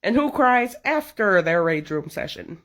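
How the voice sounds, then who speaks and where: A woman's voice: medium pitch, big pitch swings, measured pace, a bit bright. A woman giving casual, informal reaction commentary, exclaiming and swearing as she goes.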